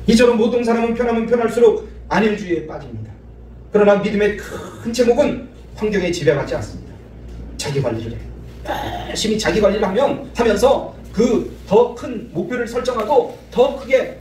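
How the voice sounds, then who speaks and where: A man with a high voice preaches to his congregation, spinning homespun stories and acting out the characters in them. His words echo through a large church hall. He sounds distant from the microphone, with a faint hiss underneath. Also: darkish tone. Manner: folksy storytelling, acts out dialogue, repeats phrases. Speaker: pastor. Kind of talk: sermon with storytelling. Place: church sanctuary. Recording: echoey hall from far off, faint noise.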